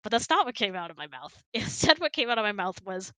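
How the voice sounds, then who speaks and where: A woman with a bright voice chats casually on a close, dry mic. She tells stories expressively and giggles easily between phrases. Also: medium pitch, fast talker, dry recording. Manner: giggly, expressive, animated storyteller. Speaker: host of an audio hangout. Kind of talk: casual storytelling chat.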